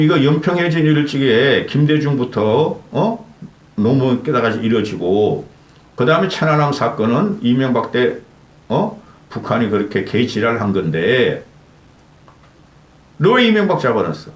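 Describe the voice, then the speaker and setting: A man's voice: mid-range voice, expressive, moderate pace. Heated, scolding man in an echoey room. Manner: heated, scolding, constant rhetorical "eh?" tags, swearing. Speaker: political commentary channel host. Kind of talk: angry political commentary rant.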